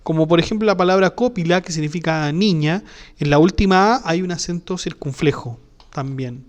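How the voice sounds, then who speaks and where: A man's voice: on the high side, normal speed. A man hosting a philosophy channel, explaining a topic in a patient lecture style and often checking in with his listeners.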